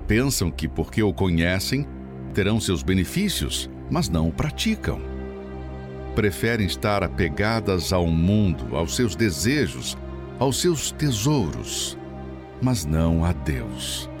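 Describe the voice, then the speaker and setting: A man giving a scripted sermon narration in a solemn, admonishing way with dramatic pauses. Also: low voice, big pitch swings. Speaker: preacher narrator. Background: music.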